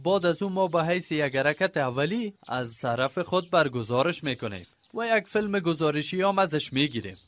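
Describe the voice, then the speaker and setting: An upbeat village organiser with an Afghan accent, eagerly praising and encouraging. The voice is fairly high and very animated, over faint noise, in radio drama style. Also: male voice, hardly any pauses. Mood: enthusiastic, encouraging. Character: enthusiastic, encouraging village organiser leading a meeting.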